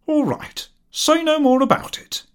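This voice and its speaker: A man voicing a chummy, brisk Victorian gentleman with a hearty, confidential manner. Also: extremely high pitch, voice pushed up. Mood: chummy, persuasive.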